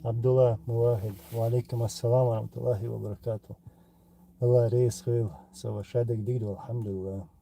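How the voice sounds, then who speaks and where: A man with a Chechen accent, a native Chechen speaker, hosting a live stream and answering viewer questions in an unhurried way, pausing often. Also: mid-range voice, flat delivery, gravelly, mellow, a little hiss or hum, rough recording. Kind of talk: casual live chat reading comments.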